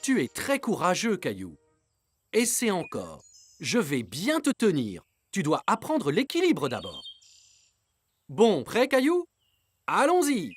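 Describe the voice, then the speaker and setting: Casting: patient cartoon dad, encouraging, hugely varied intonation, music behind. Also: male voice, sits high, slow pace, long pauses, heavily acted. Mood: reassuring. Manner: encouraging, animated, reassuring. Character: encouraging, patient cartoon father of young boy. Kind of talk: French-language children's cartoon dubbing.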